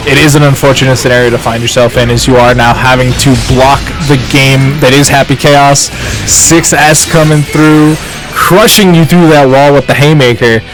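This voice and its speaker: A man giving analytical color commentary on a fighting game match, measured with quick asides. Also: medium pitch, steady tone. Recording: faint music underneath.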